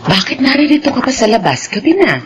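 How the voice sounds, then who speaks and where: A woman's voice: high voice, big pitch swings, fast talker, muffled recording, background noise. A middle-aged actress playing a humble nanny and mother who speaks timidly and apologizes again and again in a TV drama. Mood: pleading. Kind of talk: TV drama acting.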